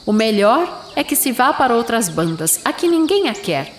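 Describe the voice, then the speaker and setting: A woman's voice: a little high, very animated, normal speed, reverberant. Sneering old female innkeeper played by a woman, grudging and dismissive, audio drama with background noise. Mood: scornful, grumbling.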